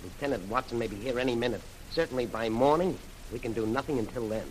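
An actor playing a steady, practical young man defending a tower in a 1930s radio drama, brisk and level-headed. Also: medium pitch, lightly acted, rough recording. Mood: tense. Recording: hissy 1930s radio recording.

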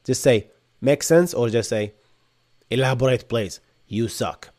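A man's voice: medium pitch, measured pace, darkish tone. A man from Bahrain with an Arabic accent, hosting a live Q&A and answering chat questions in a casual, thinking-aloud way. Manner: casual, thinks aloud with restarts and rhetorical "right?". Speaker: host.

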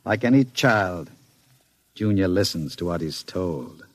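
Suave menacing gangster, low voice, lively, dry, 1940s radio drama. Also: male voice, unhurried, no room sound. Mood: sly. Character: smooth, scheming male gangster.

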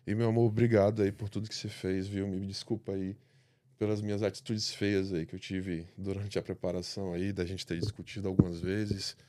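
A man's voice: sits low, level tone, fairly quick, warm tone. A young Brazilian man, a bodybuilder guest on a podcast, telling heartfelt stories in casual slang. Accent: Brazilian Portuguese.

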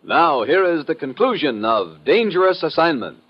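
A man's voice: fairly high pitch, sing-song, moderate pace, loud music behind the voice. An American man reading scripted announcements as the announcer of a 1950s radio show. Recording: dull vintage radio recording.

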